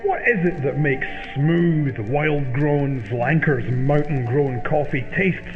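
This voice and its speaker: A man's voice: on the high side, slow. A man acting as an eager, naive sidekick in an old-time radio comedy, with exaggerated gee-whiz delivery. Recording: dull lo-fi old-radio sound, music behind.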